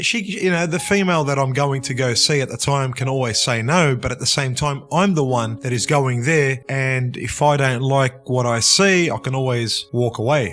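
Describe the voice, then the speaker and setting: In an Australian accent, a man speaks with hardly any pauses and ordinary pitch variation. Noticeable background noise comes through. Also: medium pitch for a man, moderate pace. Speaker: vlogger. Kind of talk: casual monologue. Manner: halting, many repeated words.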